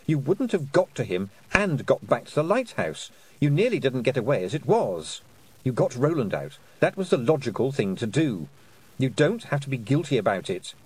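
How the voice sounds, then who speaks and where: A man's voice: medium pitch, big pitch swings, normal speed, a little mellow, slightly rough, voice pushed up. A man reading aloud and voicing a young girl's urgent, logical inner thoughts. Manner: insistent, urgent, arguing.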